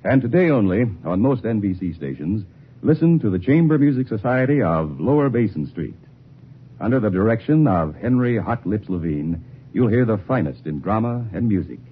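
A man's voice: lowish voice, big pitch swings, normal speed, narrow, tinny audio. A man reading scripted promotional announcements as a 1950s network radio announcer. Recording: thin, band-limited, hissy vintage radio recording.

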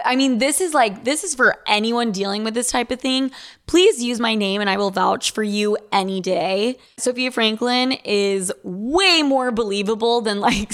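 A woman's voice: mid-range voice, fairly bright tone. A young adult woman with an American Valley girl accent and drawl, hosting a casual advice show in a blunt, sweary, unfiltered way with lots of filler "like". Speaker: podcast host giving listener advice.

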